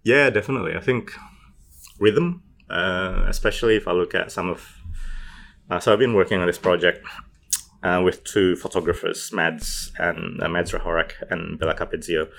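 A man in his thirties from Indonesia, speaking English as an interview guest, thoughtful and halting with many fillers. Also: sits low, steady tone, vocal fry, a bit bright. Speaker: guest, poet and PhD student. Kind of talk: casual interview answers.

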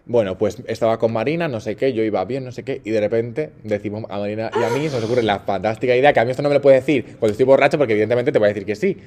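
A man's voice: mid-range voice, very fast, few pauses. A young man with a Spanish accent, telling party stories in a casual, joking chat as a podcast co-host. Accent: Spain. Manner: animated storyteller, slangy and joking.

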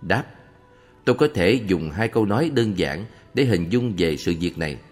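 A man reading a monk's answers aloud in a calm, measured Buddhist question-and-answer recording. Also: sits low. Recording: long reverb with faint background music.

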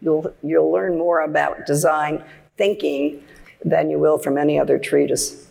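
A woman's voice: deep voice, little pitch movement, unhurried, vocal fry, darkish tone. A woman speaking on a design panel at a live conference, opinionated and emphatic, restarting her sentences as she builds a point. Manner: emphatic, opinionated, repeats words when starting. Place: large conference hall, live audience. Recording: hall reverb on stage.

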